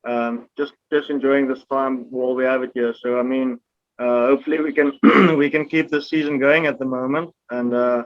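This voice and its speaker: A young South African man whose first language is Afrikaans, a rugby player chatting in an interview, relaxed and hesitant with many fillers. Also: medium pitch, moderate pace, highs cut off. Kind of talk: casual interview chat.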